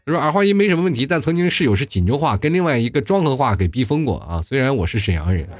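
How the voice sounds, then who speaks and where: A male talk show host reads listener messages and riffs on them. His pitch swings up and down as he talks, with a chatty, fast delivery, frequent tag questions and little chuckles. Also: very animated.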